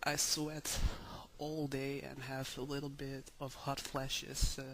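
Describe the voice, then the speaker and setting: Young male vlogger, mid pitch, very slow and hesitant, faint background noise. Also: monotone, fairly bright tone. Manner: hesitant, many ums and pauses. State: tired. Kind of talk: casual video diary.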